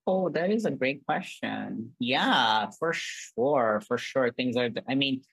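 Guest, halting and dry. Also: mid-range voice, expressive, vocal fry, a bit bright, breathy edge, dry recording. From Brazil. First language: Portuguese. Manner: rambling, many "like" fillers and restarts. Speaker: podcast guest, artist. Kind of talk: casual interview chat.

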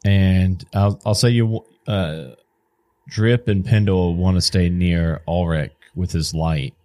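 A man's voice: deep voice, steady tone, slow, dark tone. A man narrating as game master in a casual, loose way, often laughing with the players.

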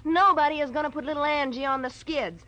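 A woman's voice: high voice, fast talker, pushed and bright. An actress playing a brassy, hot-tempered, tough-talking young girlfriend in a 1940s radio detective drama. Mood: defiant. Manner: slangy, tough-talking, defiant. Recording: old radio recording with background noise.

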